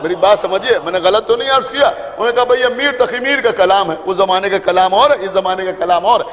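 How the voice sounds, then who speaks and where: Male preacher, Lucknow Urdu accent, high-pitched, explanatory sermon, repetitive emphasis, echoing imambara hall. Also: a bit bright. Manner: explanatory, checks in with the audience, repeats points for emphasis. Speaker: Shia preacher addressing a majlis. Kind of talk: Urdu sermon to a seated congregation. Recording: reverberant hall.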